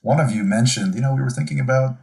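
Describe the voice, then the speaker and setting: A man guesting on a podcast over a remote call, relaxed and reminiscing, his voice distant from the microphone. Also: mid-range voice, fast, gravelly. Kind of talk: casual conversation.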